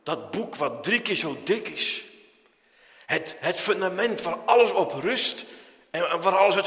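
A man preaching a sermon, acting out biblical figures as he goes, with his voice rising and falling in a lively way. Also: sits high, big-room sound. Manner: animated, acts out voices of biblical figures, lively rises and drops.

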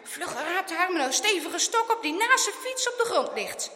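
Lively woman reading a children's story. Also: very high-pitched, measured pace. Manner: lively, expressive reading with many voices. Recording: echoey room with long reverb.

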